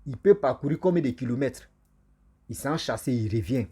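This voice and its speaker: A man, whose first language is a local African language, telling a village legend to his viewers in a lively, repetitive style with frequent asides to them. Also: medium pitch, normal speed, breathy edge. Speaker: storyteller and channel host. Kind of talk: casual oral storytelling to viewers.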